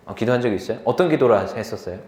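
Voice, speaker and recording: A young man preaching a sermon to a youth group, telling stories from his life in a lively way, laughing easily and asking the listeners questions. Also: medium pitch, reverberant. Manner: lively storytelling, quick to laugh; asks the listeners questions directly.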